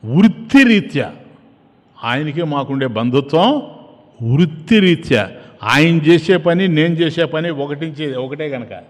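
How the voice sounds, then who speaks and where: A man's voice: a little high, measured pace, natural voice. Man playing an earnest humble boatman. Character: humble devoted boatman, proud of his trade. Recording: long hall reverb.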